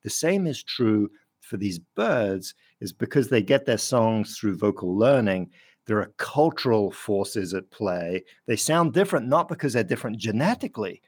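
A man who grew up in France talks as a guest biologist in a radio interview. His voice sits low, and he explains things patiently, with the odd chuckle along the way. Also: very animated, normal speed, slightly rough. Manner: thoughtful, explanatory, chuckles while talking.

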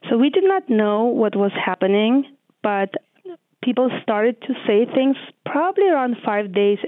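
A woman's voice: medium pitch, no echo, phone-quality sound. A middle-aged woman speaks with a Belarusian accent in a conversational interview, telling of her own memories. Her voice comes through a thin, band-limited connection with very little room sound. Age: 40s. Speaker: interview guest, physician.

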